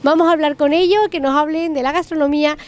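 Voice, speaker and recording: Lady reporter, high voice, chatty and gushy, handheld mic. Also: steady tone, fast. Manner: upbeat, chatty, gushing. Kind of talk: on-location restaurant report. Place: seaside terrace and bright restaurant interior.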